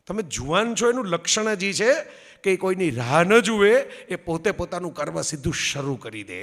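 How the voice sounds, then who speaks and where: A public speaker gives a speech before an audience in an event hall, his high, slightly bright voice trailing a long reverb. He tells stories and anecdotes, performs the quoted voices, and keeps asking the crowd "barabar?" to check in.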